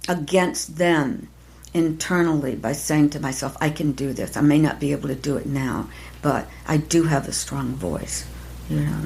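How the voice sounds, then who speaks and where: An older woman, an acting teacher, talking reflectively in an interview, soft-spoken and halting, with many pauses and restarts. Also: sits low, creaky. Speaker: acting teacher, podcast guest.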